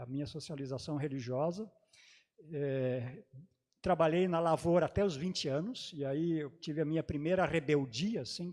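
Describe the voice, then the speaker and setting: A man's voice: on the high side, darkish tone. A man from southern Brazil, raised speaking a German dialect, telling his life story on a theology panel with many hesitations. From Brazil, grew up in Santa Catarina. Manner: halting, many hesitations and restarts. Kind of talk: personal recollection in a panel talk.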